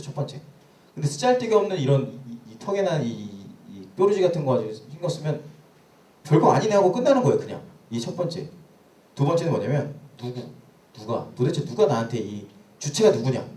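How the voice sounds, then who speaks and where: Lively-voiced pastor preaching in a roomy hall. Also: male voice, mid-range voice, distant mic. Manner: conversational preaching with rhetorical questions. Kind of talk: sermon. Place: church sanctuary.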